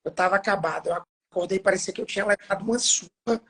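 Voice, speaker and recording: A man hosting an interview as a nurse, hoarse from losing his voice, talking in an earnest, rambling way with restarts. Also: high voice, quick pace, fairly bright tone. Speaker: nurse and host. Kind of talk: casual interview talk.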